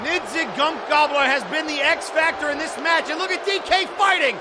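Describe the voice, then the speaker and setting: A man calls live wrestling in a very high, strained shout, excitedly exclaiming at the action and the referee. A loud crowd and noise surround his voice. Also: normal speed. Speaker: wrestling play-by-play commentator. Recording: noisy event audio with loud crowd. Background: crowd noise and slamming thuds.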